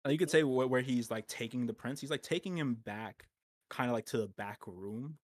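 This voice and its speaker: A man's voice: medium pitch, a little fast, dry recording. A man narrating as game master of a tabletop game, rambling with lots of fillers and frequent laughter.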